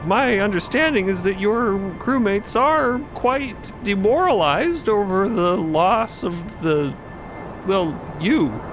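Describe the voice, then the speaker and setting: A flustered officer of a timekeepers' guild, acted by a man for an audio drama. The voice is high and animated, formal and deferential, yet it halts and stammers. Music plays underneath. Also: slow. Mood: hesitant, careful.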